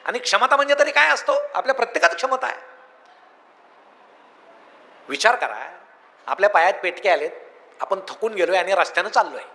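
A man's voice: high voice, pushed and bright. A man giving a humorous motivational speech, telling folksy anecdotes in a joking storyteller's manner, in an echoey hall. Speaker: public speaker.

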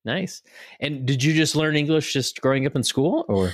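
A man's voice: a little high, lively intonation, moderate pace. A man hosting a podcast, talking in an upbeat, chatty way with frequent fillers and restarts. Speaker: podcast host. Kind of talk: casual interview and scripted promo read.

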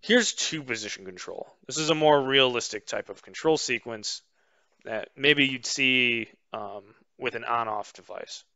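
Bright-voiced man explaining slides. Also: medium pitch, no echo, muffled recording. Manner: measured explanatory pace with frequent "um" fillers. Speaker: instructor. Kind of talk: webinar lecture over slides.

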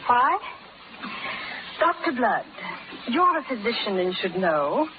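A woman's voice: on the high side, sing-song, slow pace. An actress playing a spirited, poised young colonial lady in 1930s radio drama style. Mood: coy, challenging. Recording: tinny, crackly 1930s live radio, audience. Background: audience and crackle.

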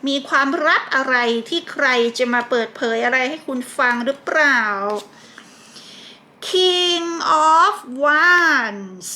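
A woman's voice: sits high, fairly even intonation, moderate pace, hardly any pauses, pushed and bright. A woman doing a chatty tarot card reading for her channel, laughing often and drawing out card names as she turns them. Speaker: tarot reader. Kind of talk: casual tarot reading to camera.

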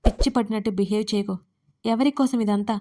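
A woman's voice: medium pitch, flat delivery, brisk, soft background music, natural voice. A woman doing a protective hot-headed young guy in an audio story, pushy and scolding, voice in the middle range. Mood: angry. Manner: insistent, scolding, loud.

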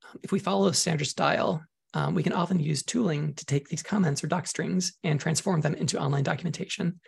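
A man presenting a programming webinar over slides, talking in a measured way with frequent ums while he is losing his voice. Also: fairly high pitch, fairly even intonation, gravelly, slightly rough. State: losing his voice, clearing throat.

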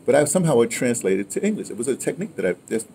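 Talking very fast in a medium-pitched voice, an American guest in his sixties recounts his radio history through casual, animated storytelling that rambles and digresses, frequently capped with "right?" and "you know." He's outdoors beside a house with a wooden awning, with clear ambient noise around him.

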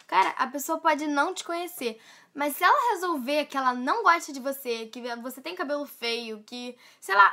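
A young woman with a Brazilian Portuguese accent talks to her camera in a casual vlog, her voice pitched high. She is playful and self-mocking, jumping from loud bursts to low mutters. Her tone is bright and ringing throughout. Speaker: YouTuber.

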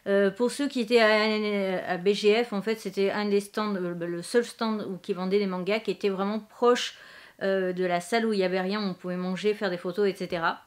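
Chatty young French woman vlogging. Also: mid-range voice. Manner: chatty, rambling, many fillers. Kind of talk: casual haul vlog. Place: bedroom in front of a bookshelf.

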